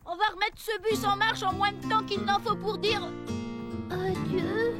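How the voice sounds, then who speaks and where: A woman voicing a small, excitable garage mechanic helper in a French cartoon dub. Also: very high-pitched, a little slow. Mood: excited. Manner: excitable, nervous when caught. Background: loud cartoon music.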